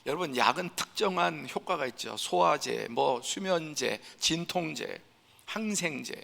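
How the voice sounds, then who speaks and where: Gravelly-voiced pastor preaching in a reverberant church. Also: male voice, fairly high pitch, expressive, a little slow. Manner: emphatic, building to forceful peaks; acts out scenes in a hushed voice. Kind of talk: Sunday sermon. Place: church sanctuary.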